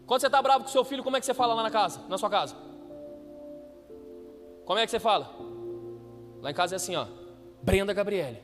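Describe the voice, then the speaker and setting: High-voiced pastor preaching in a hall. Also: male voice, lively intonation, quick pace, long pauses, a bit bright, faint music behind. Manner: preaching with call-and-response questions to the congregation. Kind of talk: sermon. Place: church hall.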